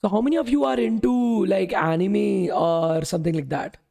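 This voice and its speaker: At a normal speed, a young man speaks in a high-pitched, creaky, mellow voice worn down from a day of talking. Teaching a live coding class as a bootcamp instructor on stream, he's casual, answers the chat, and keeps dropping "okay" and "guys."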